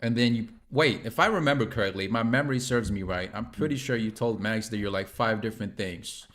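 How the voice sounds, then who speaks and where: Chill young guy hosting a chat, kinda low voice, jokey and slangy. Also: brisk, a bit bright. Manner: laid-back, joking, slangy. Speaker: podcast host. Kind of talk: casual interview chat.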